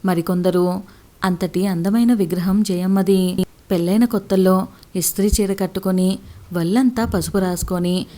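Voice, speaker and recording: A woman's voice: mid-range voice, warm tone. A woman narrating a village story steadily as a storyteller.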